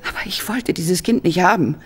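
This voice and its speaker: A woman playing an embittered, frightened Hollywood actress, telling her story in a halting, dramatic German horror radio play style. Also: lowish voice, a little hiss or hum, close to an everyday voice. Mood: haunted, confessional.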